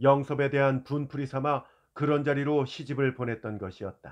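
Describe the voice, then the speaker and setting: At a fairly slow pace, a man with a plain, everyday voice speaks at a fairly high pitch with fairly even intonation. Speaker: announcer. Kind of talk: audiobook reading.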